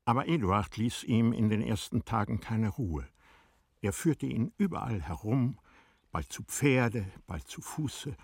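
Husky, low-voiced male literary narrator. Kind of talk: literary scripted narration for radio drama.

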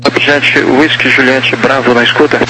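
A man working as a tower air traffic controller, giving formulaic clearances over aviation radio. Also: medium pitch, little pitch movement, normal speed, bright, forceful tone, low-quality recording.

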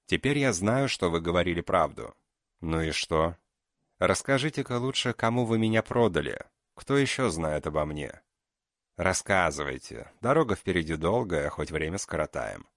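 A man voicing a calm, mocking male killer known as the beast. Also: deep voice, dry recording, studio quality, full character voice. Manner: cold, unhurried, mocking.

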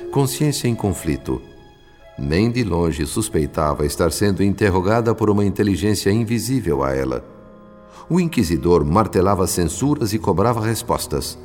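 An actor playing a solemn spirit narrator in a radio drama, with grave, formal, literary delivery. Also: male voice, low voice, darkish tone. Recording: long reverb with music behind. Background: music.

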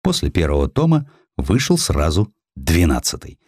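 A man narrating a historical tale from a script in an expressive, theatrical storytelling manner. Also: a bass voice, moderate pace, slightly rough, no room sound, studio quality. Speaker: audiobook narrator.

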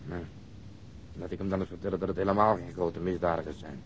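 A man's voice: steady tone, quick pace, lightly acted. A man acting a cynical, sardonic policeman in a Dutch radio drama, dry and sarcastic. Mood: bitter, mocking. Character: cynical, sardonic male policeman grumbling about society. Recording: dull, rumbling, noisy lo-fi recording.

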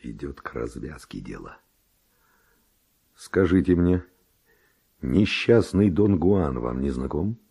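A man's voice: extremely low pitch, sing-song, takes it slowly, gravelly, long pauses, warm tone, husky, full character voice. An actor playing a passionate Spanish nobleman seducer, speaking verse in an ardent, declamatory radio drama manner. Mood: bold confession.

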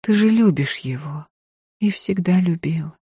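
Brief: quiet, restrained young woman singer, resolute, voiced by a woman narrator, dry close sound. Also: on the low side, animated, moderate pace, husky, no echo. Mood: soft resolute.

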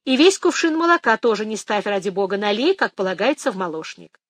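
A woman reading the part of an anxious middle-aged mother, speaking in a quiet, subdued way. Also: mid-range voice, sing-song, a little fast, no echo. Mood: worried.

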